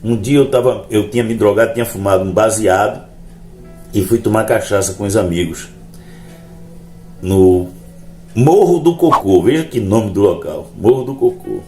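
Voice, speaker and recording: A man telling his religious testimony to a congregation in an animated storytelling manner. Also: on the low side, normal speed. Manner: animated storytelling, acts out dialogue in raised voices. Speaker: testimony speaker. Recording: roomy echo, faint music behind.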